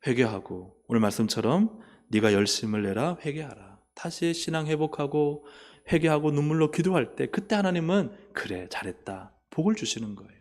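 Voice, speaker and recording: A man preaching a sermon as pastor, asking the congregation questions and answering them himself, swinging from loud urging down to soft, low asides. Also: expressive, fairly quick. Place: church sanctuary.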